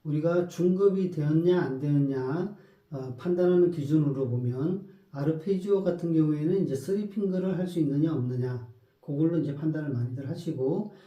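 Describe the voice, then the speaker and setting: A man's voice: on the high side, dark tone, reverberant. A man teaching a guitar lesson, patiently explaining step by step and counting the beats aloud.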